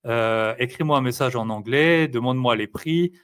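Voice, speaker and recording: A man's voice: mid-range voice, normal speed, clean tone. A man chatting casually as an interview guest, rambling a little and leaning on fillers. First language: French. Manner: rambling, filler-heavy, relaxed. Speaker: interviewee, investor. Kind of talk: casual conversational chat.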